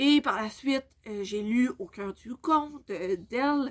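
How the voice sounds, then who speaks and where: In a Quebec accent, a woman speaks at a very slow pace with ordinary pitch variation. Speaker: book vlogger. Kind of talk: casual vlog chat. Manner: halting, many fillers.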